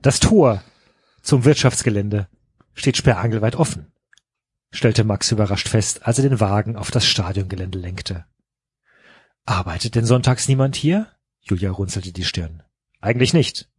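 A man's voice: lowish voice, normal speed, long pauses, slightly rough, dry recording, studio quality. A man co-hosting a football podcast, reading a novel aloud with playful character voices and joking between passages. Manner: reads with playful voices for the characters, breaks off to joke and laugh. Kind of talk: casual chat with dramatized reading.

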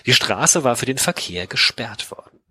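A man's voice: mid-range voice, animated, moderate pace, pushed and bright, husky. A man co-hosting a casual podcast, reading narration from a story aloud and breaking off for dry asides.

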